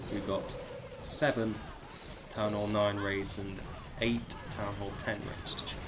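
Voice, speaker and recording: A man with a cold, sounding croaky and sniffly, casually commentating strategy game replays and calling out percentages. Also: fairly low pitch, slow pace, heavy background noise. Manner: relaxed, chatty, calls out percentages. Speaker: clan leader commentating war replays.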